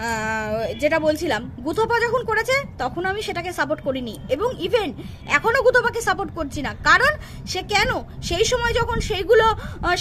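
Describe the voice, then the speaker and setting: A woman's voice: extremely high pitch, fairly bright tone. A woman giving unscripted roast commentary, confrontational and scolding, repeating herself and firing rhetorical questions. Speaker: YouTube commentary creator.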